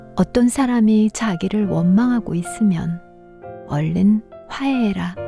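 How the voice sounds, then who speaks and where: A woman speaks at a very slow pace with a calm tone and medium pitch. Music plays in the background. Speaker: singer and TV personality. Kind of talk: reading aloud of inspirational texts. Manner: soft, calm, comforting.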